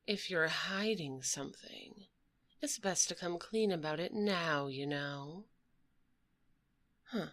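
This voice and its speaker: A woman acts out a sassy dragoness who collects debts for the mob in an ASMR roleplay. She speaks low and unhurriedly, close and soft on a binaural microphone. Her manner is cool, condescending and quietly threatening, drawing out each taunt. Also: takes it slowly, pauses often. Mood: cool, probing.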